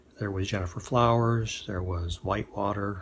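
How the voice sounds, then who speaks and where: A man with a fairly low, somewhat breathy voice, fairly even intonation, and a moderate pace. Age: 60s. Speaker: vlogger sharing political story. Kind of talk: personal testimony. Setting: self-recorded video. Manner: halting, many fillers.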